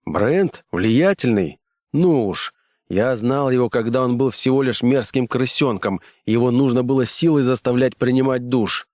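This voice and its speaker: A man's voice: mid-range voice, moderate pace, darkish tone, dry recording, studio quality, natural voice. A male audiobook reader voicing a stubborn starship captain in a blunt, nearly plain voice. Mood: scornful.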